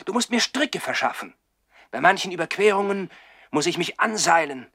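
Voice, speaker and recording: A man's voice: sits high, animated, moderate pace, bright, forceful tone, no echo, clean studio sound, heavily acted. An actor playing a proud, defiant older brother, a self-assured and commanding boy in a 1960s radio play. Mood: commanding, secretive.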